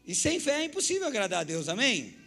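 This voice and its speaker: A male pastor with a Brazilian accent preaching a sermon, animated and acting out little dialogues with the congregation. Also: very high-pitched, fast. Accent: Brazilian Portuguese. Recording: echoey church hall with faint music.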